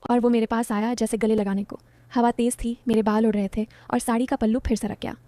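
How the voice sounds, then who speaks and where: A woman's voice: fairly high pitch, little pitch movement, a little fast, mellow, no room sound. A woman narrating a story in the first person, in a confiding, dramatic way.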